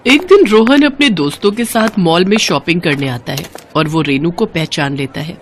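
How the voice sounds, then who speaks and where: A woman's voice: on the low side, animated, normal speed, slight background noise. A woman storyteller reading a scripted tale as narrator.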